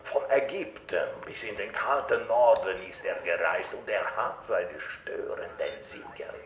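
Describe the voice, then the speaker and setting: A menacing Russian-accented watchman from an audio play, teasing and mocking as he goes. He drawls slowly with wide swings in pitch, playfully sinister, in a roomy sound with music behind. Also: expressive, a little hiss or hum. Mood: taunting, cryptic. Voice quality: gravelly, low. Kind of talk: audio drama acting.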